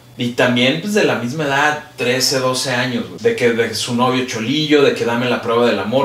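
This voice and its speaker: With audible room echo and noticeable background noise, a man speaks at a moderate pace with lively intonation. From Mexico, León, Guanajuato. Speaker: YouTuber. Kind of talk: casual chat.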